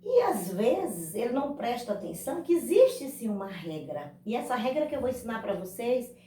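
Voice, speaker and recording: A woman teacher talks through a lesson patiently, posing rhetorical questions to her class. Her voice sits a little high and swings lively up and down. She is recorded from a distance in a room with plenty of echo. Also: moderate pace. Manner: patient, explanatory, asks students rhetorical questions.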